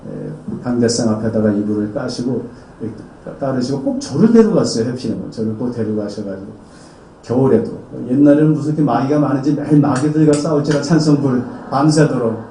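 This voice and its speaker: In a church hall, a male pastor delivers a dramatic sermon testimony, voicing the people in his story. His mid-range voice is mellow and fairly quick, with slight background noise. The recording sounds roomy and distant, with faint ambience.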